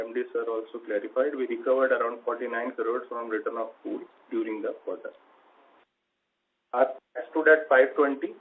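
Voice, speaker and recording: A man with an Indian accent, speaking as a finance chief and reading through a prepared financial report. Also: medium pitch. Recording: noisy phone-like conference line.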